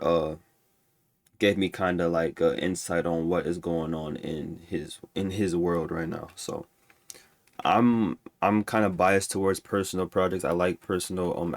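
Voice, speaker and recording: A man's voice: deep voice, no room sound. A man with a stuffy nose ranking music albums in casual, rambling talk full of restarts and fillers. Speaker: music reviewer.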